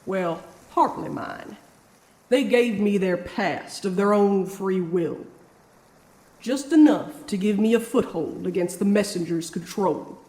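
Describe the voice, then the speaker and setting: Woman playing a slow, echoing cowboy spirit. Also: medium pitch, darkish tone. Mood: ominous, boastful. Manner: drawling, cocky, menacing. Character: folksy, scheming cowboy spirit, a mysterious drifter. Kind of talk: audio drama acting.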